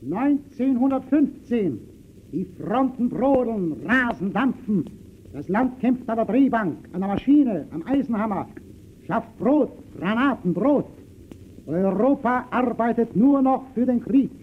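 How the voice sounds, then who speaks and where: Grave war chronicler, 1920s radio play: slow, high, stately declamation, muffled old recording. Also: male voice, expressive. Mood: grave, urgent. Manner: solemn, stately, emphatic. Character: solemn declaiming narrator of the Great War. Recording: muffled scratchy early radio recording with music.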